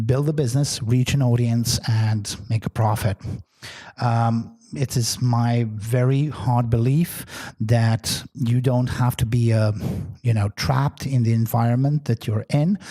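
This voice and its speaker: A man with a Serbian accent, not a native English speaker, hosts his own podcast and talks in a casual, rambling way. His voice is mellow and darker than most, at a middle pitch. He restarts his sentences and fills the gaps as he goes. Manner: chatty, loose, many fillers and restarts. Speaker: podcast host. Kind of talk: casual solo podcast talk.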